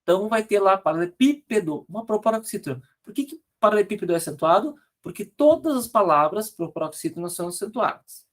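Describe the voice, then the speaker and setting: A man's voice: high voice, animated. A man with a Brazilian Portuguese accent teaching an online grammar lesson, explaining rules patiently and checking in with frequent tag questions. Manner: spells out letters slowly, corrects slide errors aloud.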